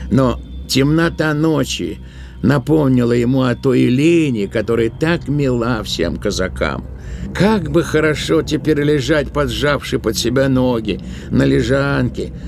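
A man's voice: medium pitch, gravelly, darkish tone, a little hiss or hum. A man narrating a literary tale as the storyteller of an audio play.

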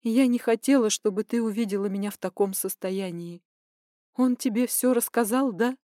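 A woman voicing a gentle, tearful middle-aged mother who soothes and pleads with her daughter. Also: a little high, normal speed, no room sound, clean studio sound, voice pushed up, lightly acted. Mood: soothing.

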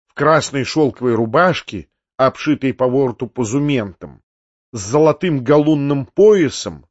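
A man reading a classic novel aloud as a first-person narrator, in a measured and expressive manner. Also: mid-range voice, dry recording, dull audio. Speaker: audiobook narrator.

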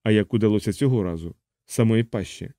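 A man's voice: lowish voice, fast, warm tone, no room sound, studio quality, natural voice. A man voicing a frightened, sarcastic human traveler in an audiobook. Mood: pleading. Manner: sarcastic, pleading.

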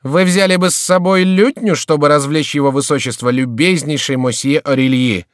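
A man's voice: a little high, sing-song, fairly bright tone, dry recording, studio quality, pitched above the performer's own voice. A man voicing a sly, mocking male court jester in a storybook reading. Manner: sarcastic, quick-witted.

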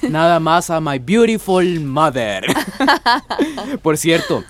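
A joking, teasing son in a radio drama. He speaks slowly, and his voice swings widely in pitch as he ribs his mother playfully. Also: very animated.

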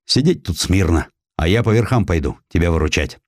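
A man voicing an influential gentleman journalist, frank and commanding, in an audiobook. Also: sits low, expressive, fairly quick, no room sound, studio quality. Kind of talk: audiobook character acting.

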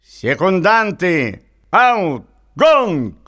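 An actor playing an excitable little sidekick who referees boxing in an audio play, with theatrical, drawn-out announcing. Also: male voice, sits high, background noise, full character voice. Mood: excited, triumphant.

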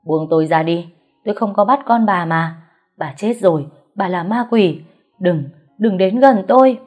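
A woman's voice: normal speed, a little mellow, faint music behind, close to an everyday voice. A woman reader voicing a panicked older woman who cries out in terror at an imagined ghost. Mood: terrified. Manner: shrill, pleading cries.

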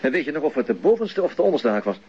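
Quick, animated police interrogator. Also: male voice, fairly high pitch. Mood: probing. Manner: inquisitive, insistent. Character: patient, probing male police interrogator. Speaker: radio drama actor. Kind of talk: naturalistic radio drama dialogue. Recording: muffled, noisy radio drama recording.

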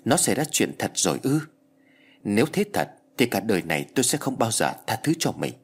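Husky low guy reading a spooky story, lively up and down pitch. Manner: slow, grave storytelling with acted cries. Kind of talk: scripted ghost story narration.

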